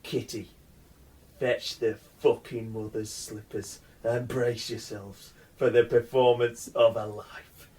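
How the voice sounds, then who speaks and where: An actor playing a foul-mouthed, rambling madman in a radio play, theatrical and quick to swing into threats. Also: medium pitch, level tone, a little mellow, close to an everyday voice, low-quality recording. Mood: menacing. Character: foul-mouthed, menacing, rambling madman telling absurd tales.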